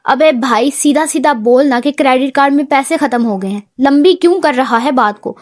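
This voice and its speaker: A woman's voice: high voice, no echo, studio quality, close to an everyday voice. A woman voicing a playful young man who teases in a mock-innocent way. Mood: teasing. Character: playful, sly young man backing up his friend.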